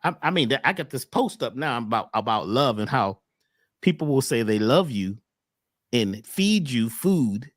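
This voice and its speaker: A man talking as a wellness coach on a talk show, emphatic and repetitive, often jumping high on key words. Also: very animated, unhurried, dry recording, clean studio sound. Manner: emphatic, repeats phrases, swoops up on key words. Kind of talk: animated talk-show conversation.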